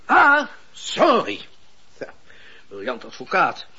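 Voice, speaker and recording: An actor playing a shrewd, cynical old judge in a radio play, husky and deliberate, lecturing with scorn. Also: male voice, high-pitched, huge pitch swings, pushed and bright, exaggerated voice. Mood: wry, instructing. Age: older. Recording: muffled, dull radio play recording.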